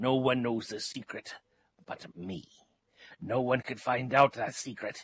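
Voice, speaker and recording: In a put-on character voice, a man speaks raspy and cackling at a medium pitch, going at a fairly slow pace with long, frequent pauses. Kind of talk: storyteller acting a villain. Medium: read story. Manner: mocking, ominous, cackling.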